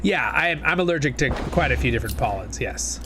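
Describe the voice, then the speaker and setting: A man's voice: medium pitch, animated, a little fast. A man in his twenties from Southern California, chatting casually and rambling to viewers on a live stream while a bit sniffly from a cold. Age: 20s. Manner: rambling, chatty, talks to chat. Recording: music playing behind.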